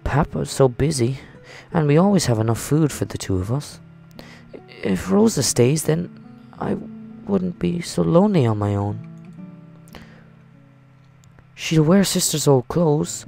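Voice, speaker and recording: Man putting on an earnest little girl, raised pitch. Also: gravelly, a little mellow, exaggerated voice. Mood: wistful, eager. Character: earnest, lonely, chatty little girl pleading with adults.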